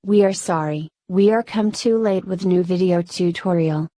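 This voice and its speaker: A woman narrating a programming tutorial in a flat, synthetic-sounding scripted delivery. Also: lowish voice, moderate pace, no room sound, studio quality.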